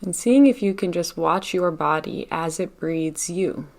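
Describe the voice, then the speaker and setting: A woman leading a guided meditation in a gentle, unhurried manner, leaving long pauses between phrases. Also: lowish voice. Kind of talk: guided meditation, live session.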